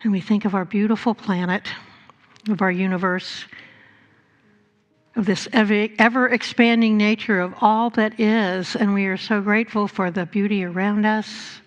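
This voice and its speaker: A woman pastor leading a guided prayer at a church service, speaking in measured phrases with long pauses between them. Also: medium pitch, steady tone, highs cut off, soft background music. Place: church service before a congregation.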